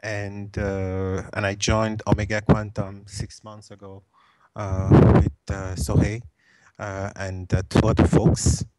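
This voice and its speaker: A middle-aged man from Canada, an engineer, introducing himself in a measured way with many hesitations. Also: fairly low pitch, completely flat delivery, a little mellow.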